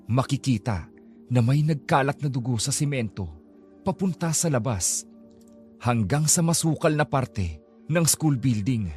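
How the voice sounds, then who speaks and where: A man narrating a horror tale in a slow, suspenseful storytelling manner. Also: mid-range voice, darkish tone.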